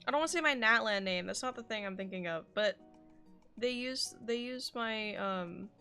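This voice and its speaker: A woman's voice: a little high, moderate pace, bright, forceful tone. A young woman giving casual, rambling commentary as she live-streams a game, thinking aloud over game music.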